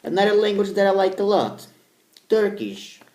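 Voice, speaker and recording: A man's voice: high-pitched, big pitch swings, normal speed, a little mellow. A man whose first language is Portuguese, talking casually to camera in English, hesitant and repeating himself. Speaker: vlogger. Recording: echoey room.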